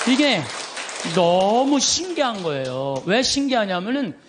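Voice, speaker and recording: A middle-aged man, a Catholic priest, telling stories in a lively sermon, acting out the voices of others and laughing as he goes. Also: high voice, unhurried, a loud crowd, heavy background noise. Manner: animated, acts out quoted voices, laughs often.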